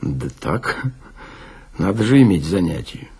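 A man's voice: deep voice, sing-song, unhurried, darkish tone, husky, exaggerated voice. A man voicing an awkward, bewildered merchant, hesitant and earnest, in a dramatic reading of a story. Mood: embarrassed. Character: awkward, bewildered merchant, the count's old college friend.

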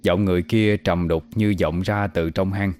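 A man telling a horror story in slow, even, suspenseful narration. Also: low-pitched. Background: faint music.

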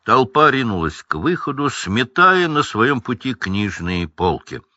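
A man reading a children's fantasy book aloud, narrating with lively, measured expression. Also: mid-range voice, no echo, muffled recording. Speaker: audiobook reader.

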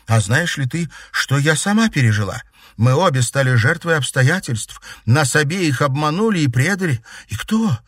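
An earnest young woman, as a male reader puts her on, pressing her point with quiet insistence. The voice sits a little raised and close, with a dry, dead sound and no echo. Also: fairly high pitch, lively intonation, normal speed, breathy edge, pitched above the performer's own voice.

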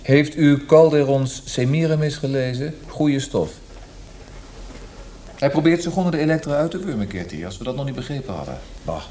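An actor playing a proud, fretful poet in a radio drama, speaking in an earnest, precise, grumbling way. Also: male voice, mid-range voice, expressive, moderate pace, mellow, slight background noise, close to an everyday voice. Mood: indignant. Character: proud, fretful, melancholy male poet and librettist.

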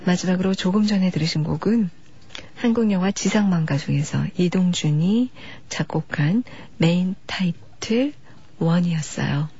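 A woman hosts a late-night radio music program in a soft, unhurried way, reading listener letters gently. Her voice sits low and mellow with a husky edge. The sound is a dull, lo-fi broadcast archive recording. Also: lively intonation.

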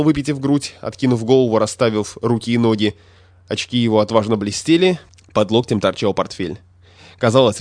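A man's voice: mid-range voice, a little mellow, no echo. Man reading a classic novel aloud. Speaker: audiobook reader. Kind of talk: literary audiobook narration.

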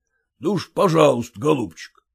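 A man voicing a stern, bossy older man who lectures and scolds his son-in-law in a slow, drawn-out way. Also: on the high side, lively intonation, gravelly, slightly rough, exaggerated voice. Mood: lecturing.

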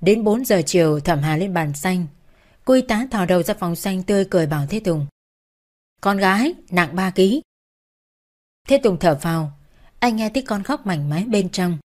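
A woman's voice: lowish voice, lively intonation, fairly quick, mellow. A woman reading a novel aloud as narrator, taking every role in the same plain voice.

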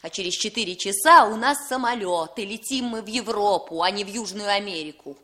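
Actress as a controlling young woman: brisk, firm, commanding, 1960s radio drama. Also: mid-range voice, bright, forceful tone, natural voice.

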